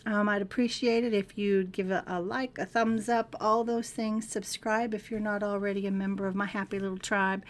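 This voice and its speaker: A middle-aged woman with a scratchy, hoarse voice, chatting casually as she shows handmade cards and rambles through her steps. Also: mid-range voice, little pitch movement, normal speed, few pauses. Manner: chatty, rambling, restarts often. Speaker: card-making channel host. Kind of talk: casual crafting tutorial.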